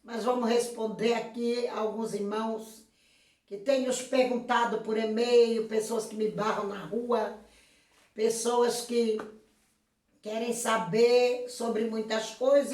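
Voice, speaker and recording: A hoarse woman pastor, fairly high-pitched, speaks slowly and with emphasis, often stopping to give praise. Her voice is recorded from some distance in an echoey room. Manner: slow, emphatic preaching with frequent praise interjections. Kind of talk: sermon-style video message.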